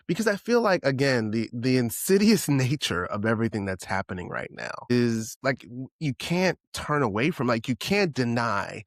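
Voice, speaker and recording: A man's voice: medium pitch, sing-song, moderate pace, no echo, clean studio sound. A man co-hosting a podcast, talking casually and rambling through his thoughts, often checking in with "right?". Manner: rambling, with many restarts and "right?". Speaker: podcast co-host. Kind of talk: casual conversational podcast chat.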